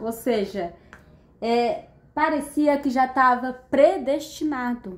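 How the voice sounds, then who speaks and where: Speaking very slowly at a high pitch, a woman is heard with audible room echo. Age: 30s. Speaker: YouTuber, trained teacher. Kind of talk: personal testimony. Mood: earnest, animated faith testimony. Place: home room. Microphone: phone near.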